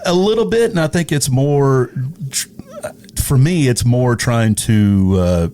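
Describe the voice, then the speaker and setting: A man's voice: mid-range voice, lively intonation, a little slow, mellow, slight background noise. A middle-aged man from East Texas chatting casually as an interview guest, hesitant and often repeating words. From East Texas, United States. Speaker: interview guest, radio personality. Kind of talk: casual chat.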